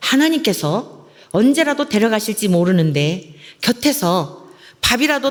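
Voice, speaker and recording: This woman has an animated tone and a fairly high pitch. She speaks at a moderate pace with very wide pitch swings. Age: 60s. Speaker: pastor. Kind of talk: sermon.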